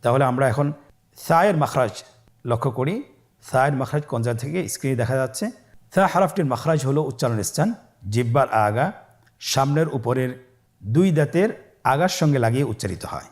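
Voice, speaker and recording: A man's voice: mid-range voice, expressive, normal speed, long pauses. A man with a Bangladeshi Bengali accent, teaching Quran reading step by step, patiently repeating each letter for the viewer to echo. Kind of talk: step-by-step Arabic letter lesson.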